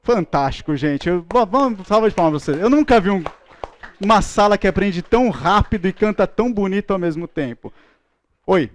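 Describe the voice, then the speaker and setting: A man's voice: sits high, expressive, brisk, dry recording. A man with a Brazilian Portuguese accent teaching a Bible school class in a playful, joking way, leading the room in chanting letters. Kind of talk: lively classroom lesson.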